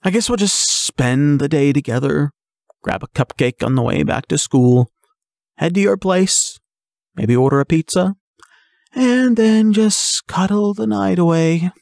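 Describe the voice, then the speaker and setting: A man's voice: fairly high pitch, measured pace, vocal fry, dry recording, clean studio sound. A man voicing an exuberant, affectionate young jock boyfriend in a playful, dramatic roleplay audio addressed to the listener. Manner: excitable, playful, theatrically dramatic.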